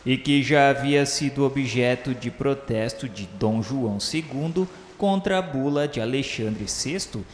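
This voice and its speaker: A man narrates in a Brazilian accent with a mid-pitched voice, solemn and declamatory like a formal literary reading. His delivery is reverent and scripted. The sound is very echoey, with music playing behind him. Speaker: narrator of a radio novela. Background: background music.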